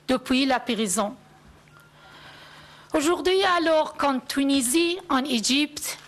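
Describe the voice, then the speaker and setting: A woman in her forties from Iran, speaking, giving a prepared first-person testimony in a measured, solemn way. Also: sits high. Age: 40s. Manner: measured, solemn, deliberate phrasing.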